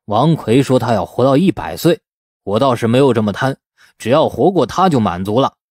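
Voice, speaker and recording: A man's voice: medium pitch, big pitch swings, brisk, darkish tone, dry recording, clean studio sound. Man doing a stubborn old village uncle. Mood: indignant, proud.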